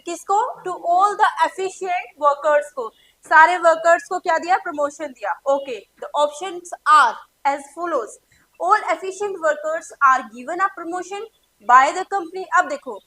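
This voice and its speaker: High-voiced Indian woman teaching English. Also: a bit bright. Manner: asks the class questions and answers them herself. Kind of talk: exam-prep lesson.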